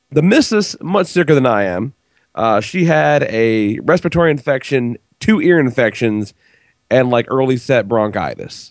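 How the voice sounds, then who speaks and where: A man at medium pitch with very wide pitch swings and a moderate pace. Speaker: podcast host. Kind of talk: casual chat.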